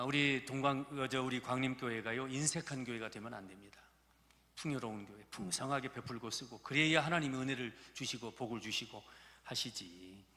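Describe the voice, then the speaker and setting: A man's voice: mid-range voice, sharp tone. A man in his fifties, a pastor with a Jeolla Korean accent, preaching a folksy, joking sermon to his congregation in a church. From Gurye, South Jeolla, Korea. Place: church sanctuary. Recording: reverberant church hall.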